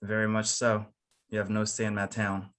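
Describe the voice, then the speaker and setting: A man acts out a stubborn small-town man in a drama script. The voice is on the low side, with a protective, authoritative manner. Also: completely flat delivery, normal speed, fairly bright tone, close to an everyday voice. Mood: firm, wry. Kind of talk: screenplay table read.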